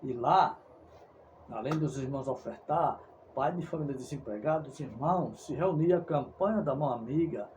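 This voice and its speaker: A Brazilian man preaching with heated insistence, hammering the same points again and again and tripping over words as he goes. His voice sits a little high for a man but sounds dark and mellow in tone. A faint hiss of noise runs underneath. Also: normal speed. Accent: Brazilian Portuguese. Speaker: evangelical preacher. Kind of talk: fervent preaching monologue.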